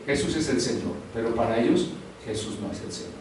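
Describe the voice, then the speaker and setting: A man's voice: fairly low pitch, expressive, a little fast, a little mellow. Man preaching in an echoey hall. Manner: conversational preaching with rhetorical questions. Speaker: pastor. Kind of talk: sermon. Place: church hall. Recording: echoey hall, far from the mic.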